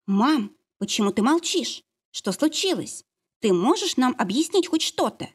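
A woman's voice: fairly high pitch, sing-song, a little fast, darkish tone. A woman voicing a worried, half-asleep teenage girl who pleads with her mother. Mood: alarmed.

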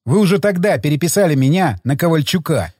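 A man voicing a tense, stubborn young male doctor who speaks low and strained. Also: lively intonation, quick pace, a little mellow, dry recording, studio quality.

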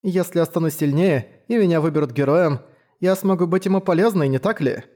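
A woman's voice: lowish voice, brisk, dark tone, pitched above the performer's own voice, close to an everyday voice. A man voicing a shy, timid young female apprentice warrior who hesitates and stammers.

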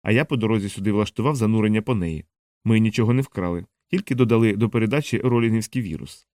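A man voicing a hardened ex-soldier who speaks softly, calmly and firmly. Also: on the low side, quick pace, dry recording, clean studio sound, close to an everyday voice. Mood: quiet threat. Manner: soft-spoken, calm, firm. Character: hardened male ex-soldier, calm and quietly threatening.

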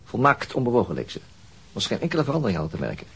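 Raspy, businesslike policeman. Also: mid-range voice, wildly swooping pitch, very fast, fairly bright tone, exaggerated voice. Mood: reflective. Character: businesslike, probing male police colleague. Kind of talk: audio crime drama acting.

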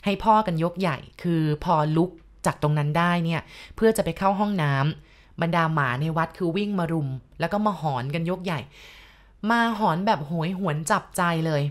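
A woman tells a ghost story in a slightly low, steady voice. She speaks politely and turns to address her listeners directly as she recounts the events. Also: normal speed.

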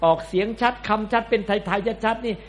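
High-voiced monk preaching bluntly. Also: male voice, fairly even intonation, fairly quick. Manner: blunt, colloquial, scolding preaching. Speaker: Buddhist monk. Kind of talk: sermon.

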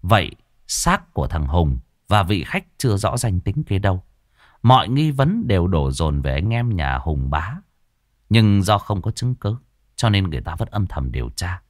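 A man narrating a horror story in a dramatic, expressive way. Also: low voice, normal speed, no echo, studio quality.

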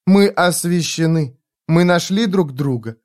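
Guy putting on a blind vengeful woman, higher voice, fierce and passionate, audiobook. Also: measured pace, a little mellow, close to an everyday voice. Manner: intense, passionate, defiant. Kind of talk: dramatic audiobook reading.

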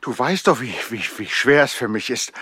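A man's voice: medium pitch, expressive, normal speed, pushed and bright, husky. An actor in a 1960s radio play as a hesitant younger brother, stammering over his words. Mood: hesitant, reluctant. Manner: hesitant, stammering word repetitions.

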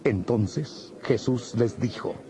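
A man narrating a dramatized audio Bible from a script in a husky, mellow voice. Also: medium pitch, slow. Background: music.

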